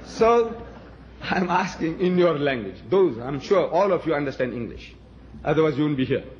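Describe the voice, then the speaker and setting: A man whose first language is Gujarati lectures a crowd in an emphatic, rhetorical way, hammering the same questions again and again. His voice sits a little high for a man. The recording sounds dull and lo-fi. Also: animated, unhurried, pauses often. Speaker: lecturer addressing an audience.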